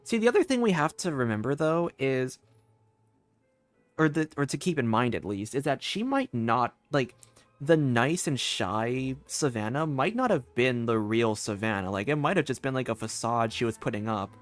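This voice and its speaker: A gaming streamer doing casual live commentary, rambling and thinking aloud in an expressive way. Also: mid-range voice, normal speed, dry recording, faint music behind.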